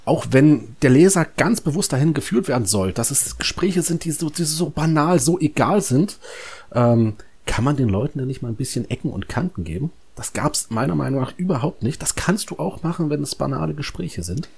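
Husky man giving a book critique. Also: fairly high pitch, lively intonation, a little mellow. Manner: critical, halting, rephrases often. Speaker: podcast discussion panelist.

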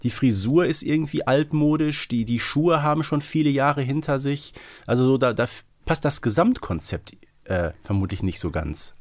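Man, podcast co-host, loose conversational manner, average pitch, dry sound. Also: animated, moderate pace, dry recording. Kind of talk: casual conversational podcast discussion.

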